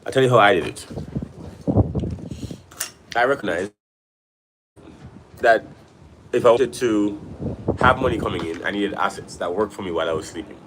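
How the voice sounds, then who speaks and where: Deep-voiced Jamaican man chatting on a livestream. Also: moderate pace, long pauses. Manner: loose and rambling, talks straight to viewers. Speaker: livestream host on money and investing. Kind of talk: casual livestream talk to viewers. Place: at home, with a view behind. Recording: clear background noise.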